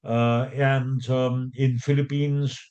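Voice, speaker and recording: A man chairing an online meeting, introducing the session and the first speaker with frequent pauses and fillers. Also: mid-range voice, flat delivery, a little mellow, lo-fi sound. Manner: hesitant, many fillers and restarts. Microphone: video call.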